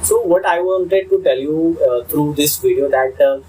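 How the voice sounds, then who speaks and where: A young man with an Indian accent telling his own story unscripted as host of his channel, halting with many fillers and restarts. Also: fairly high pitch, mellow. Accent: Indian English. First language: Hindi. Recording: distant mic with faint ambient noise.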